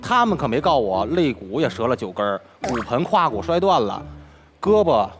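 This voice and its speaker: Man, crosstalk performer, animated storytelling, widely moving pitch. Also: moderate pace. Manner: animated, retells dialogue with lively swings. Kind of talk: emotional storytelling in an interview.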